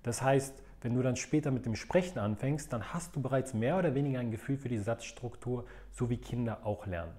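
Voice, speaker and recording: A man's voice: mid-range voice, a little fast, few pauses, warm tone. A man teaching in a video lesson, laying out methods step by step in a methodical, explanatory way. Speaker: language learning coach.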